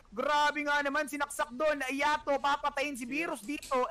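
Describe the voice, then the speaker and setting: A man speaks in a raised, projected voice. His pitch is extremely high. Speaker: esports caster. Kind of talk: esports commentary. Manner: animated; fast talker.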